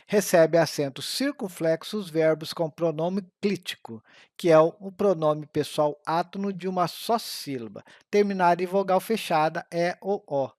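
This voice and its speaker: A man reads an exam-prep grammar lesson, slowing down carefully over the examples. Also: fairly high pitch, darkish tone, no room sound, studio quality. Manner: slow, careful reading of examples.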